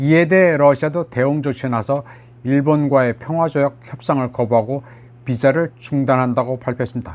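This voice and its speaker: A man talks at a fairly quick pace in a fairly high pitch. His intonation stays fairly even, an unremarkable speaking voice. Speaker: news commentary channel host. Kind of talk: scripted narration. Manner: formal.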